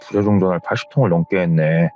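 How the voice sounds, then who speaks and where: A man's voice: low-pitched, quick pace, muffled recording, soft background music, voice pushed down, close to an everyday voice. A man voicing a confused young male employee who stammers and answers deferentially. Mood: bewildered.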